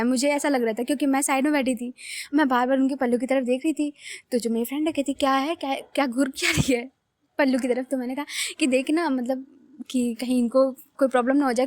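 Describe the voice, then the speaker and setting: High-voiced chatty young woman storyteller. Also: darkish tone, dry recording. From Uttar Pradesh, India. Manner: chatty, rambling, often laughing at herself. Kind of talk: casual storytelling vlog.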